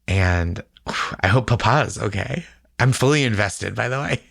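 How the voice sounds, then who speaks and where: A man with a very deep voice and plenty of vocal fry. He chats casually as a podcast co-host, encouraging and playfully curious, in a dry, close recording. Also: animated, moderate pace, fairly bright tone, no echo. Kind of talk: casual chat.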